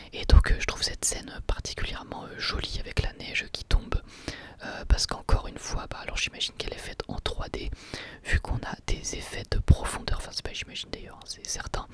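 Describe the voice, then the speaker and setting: A man hosting an ASMR anime review in a breathy, unvoiced whisper, with halting, hesitant phrasing. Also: medium pitch, fairly bright tone. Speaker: host of an anime review channel.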